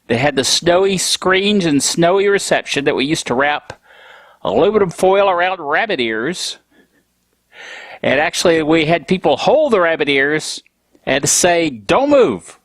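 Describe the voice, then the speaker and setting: A man with a stuffy, cold-thick voice hosts a tech show on his own. His pitch leaps up and down as he grumbles and jokes at his own expense. The sound is close and dry, with no room around it. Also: a bit bright, no echo. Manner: grumpy, self-mocking humor. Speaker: podcast host. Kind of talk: casual tech show monologue.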